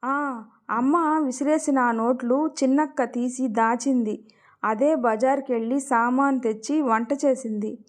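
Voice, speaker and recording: A woman voicing a timid young daughter who speaks in a hushed, secretive way. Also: high-pitched, steady tone, unhurried.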